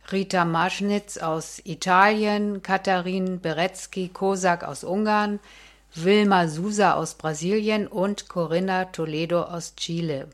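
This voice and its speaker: A woman radio host reading a scripted introduction of her guests fluently. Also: fairly low pitch.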